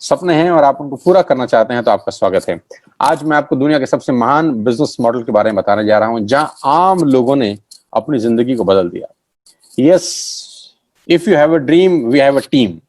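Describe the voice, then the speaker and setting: A man's voice: mid-range voice, lively intonation, moderate pace, darkish tone, no room sound. A middle-aged man giving a motivational business presentation, emphatic and repetitive, slipping English catchphrases into his talk. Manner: emphatic, repeats key phrases for effect; mixes English catchphrases into Hindi. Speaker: network marketing presenter.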